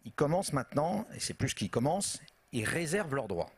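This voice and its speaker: Brief: male executive panelist, husky tone, measured and steady. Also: on the high side. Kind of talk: panel discussion. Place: auditorium stage.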